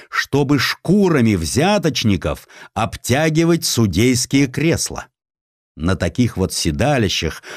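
A man reading a historical story as an audiobook narrator, in a measured, expressive literary style. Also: fairly low pitch, no echo, studio quality.

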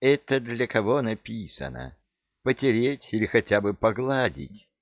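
A man's voice: medium pitch, moderate pace, gravelly, no echo, lo-fi sound, pitched above the performer's own voice, lightly acted. A man putting on a hissing angry genie woman. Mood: menacing. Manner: hissing, sarcastic. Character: fierce female genie, hissing and domineering.

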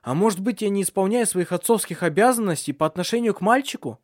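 A man reading a story aloud, voicing a clumsy, exasperated young nobleman who complains loudly. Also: high-pitched, animated, a little fast, dry recording, studio quality, pitched above the performer's own voice.

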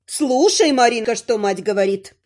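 Man doing a squeaky cheeky chinchilla lady. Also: moderate pace, a little mellow. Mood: snappy. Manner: squeaking, chattering.

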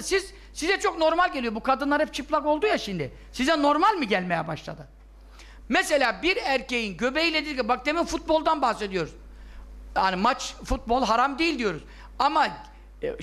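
This man, a religious teacher, speaks in a very high voice with a sharp edge. His lesson is emphatic and scolding, packed with rhetorical questions he answers on his own while playing out possible objections.

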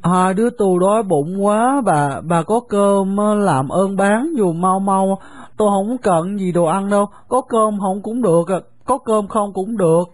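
A woman's voice: medium pitch, measured pace, lightly acted. A woman voicing a hungry orphan boy who complains and pleads for rice. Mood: hungry, pleading.

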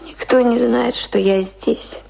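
A woman's voice: a little high, steady tone, takes it slowly, vocal fry, darkish tone, slightly rough, full character voice, low-quality recording. An actress in a radio play playing a hesitant, secretive woman seeking a reunion, speaking carefully and tentatively. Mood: anxious.

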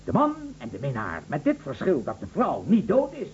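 An actor playing a bitter, sarcastic betrayed husband with cold menace in a radio drama. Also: male voice, on the high side, wildly swooping pitch, normal speed, a little mellow. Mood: menacing, agitated. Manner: sarcastic, mocking, theatrical. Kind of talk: Dutch radio drama acting. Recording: dull lo-fi radio recording, faint hum.

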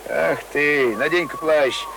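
An actor in a Russian radio drama playing a hearty, kindly village man, gruffly affectionate and colloquial. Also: on the high side, slow. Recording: radio drama with clear outdoor ambience noise.

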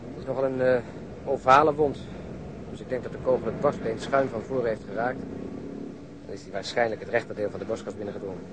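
A man's voice: lowish voice, noisy background, close to an everyday voice. An actor playing a weary, matter-of-fact wounded policeman in a naturalistic radio drama, speaking bluntly.

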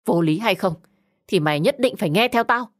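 Woman doing a shrill scolding mother. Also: lively intonation, fairly quick, lightly acted. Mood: furious. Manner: shrill shouting, insulting. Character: harsh scolding middle-aged mother, quick-tempered.

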